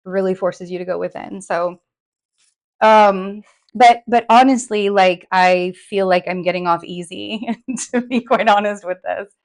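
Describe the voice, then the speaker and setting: A woman with a hoarse, slightly raspy voice, giving viewers a casual, rambling update full of fillers and restarts. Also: mid-range voice, unhurried. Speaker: tarot reader and vlogger. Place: home in New York.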